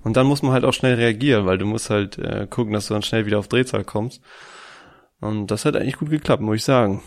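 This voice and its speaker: Man, co-host, relaxed, rambling, casual chat. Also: lowish voice, fast talker.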